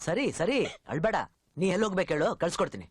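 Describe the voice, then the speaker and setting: A gruff bachelor, brusque. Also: male voice, high-pitched, lively intonation, rapid-fire, no room sound, clean studio sound. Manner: brusque, scolding. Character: gruff bachelor man guarding his home. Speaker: bachelor hero of a film. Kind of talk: film dialogue.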